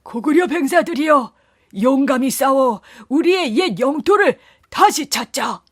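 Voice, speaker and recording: A woman's voice: medium pitch, expressive, moderate pace, gravelly, a little mellow, slightly rough, no echo, studio quality. Woman voicing a brave young general. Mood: rallying. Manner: earnest and formal. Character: brave young male general, humble and proud. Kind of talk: storybook narration.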